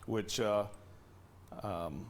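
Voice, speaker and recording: A man presenting live severe weather coverage on TV, urgent and instructive, a little hoarse from losing his voice and speaking. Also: on the low side, extremely slow. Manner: urgent, instructive, talking over radar. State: losing his voice, cough drop in mouth. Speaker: TV meteorologist.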